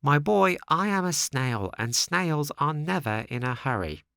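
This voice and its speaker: Man as a calm, high-voiced lady snail. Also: gravelly, no echo, studio quality, exaggerated voice. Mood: placid. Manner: calm, peaceful, unhurried. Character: large female snail servant, calm, slow, unhurried, motherly.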